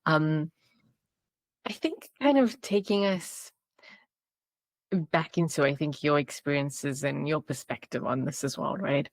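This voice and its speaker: Low-voiced woman podcast host. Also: no echo. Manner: unhurried, layered questions with hedges. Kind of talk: podcast interview.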